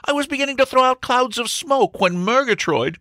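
Man putting on a blustering baronet, swooping pitch. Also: wildly swooping pitch, takes it slowly, pushed and bright, dry recording, studio quality, heavily acted. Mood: outraged. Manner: exclamatory, aristocratic bluster. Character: blustering, red-faced old baronet, indignant then effusive. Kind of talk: comic storybook reading.

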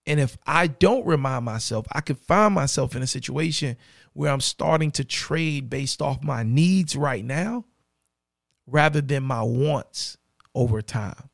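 A man with a raspy voice and a dry throat, hosting a podcast and speaking earnestly and directly to the listener. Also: mid-range voice, a little slow, no room sound. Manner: earnest, repeats key phrases, addresses listener directly. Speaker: podcast host. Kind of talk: motivational podcast monologue.

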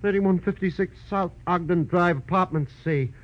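Man as a high-pitched, shifty little radio crook. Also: normal speed, natural voice. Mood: whining, defensive. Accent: American. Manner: whining, slangy gangster talk. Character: shifty, whining little male crook, paroled. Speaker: radio drama actor. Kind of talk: 1940s radio crime acting. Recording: dull old radio recording.

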